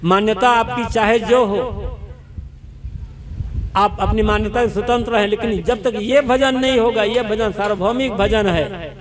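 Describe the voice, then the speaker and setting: A man's voice: sits high, fairly even intonation, a little slow, a crowd in the background. A man giving a devotional sermon, earnest and repeating key phrases for emphasis. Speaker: spiritual teacher giving a discourse. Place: religious assembly.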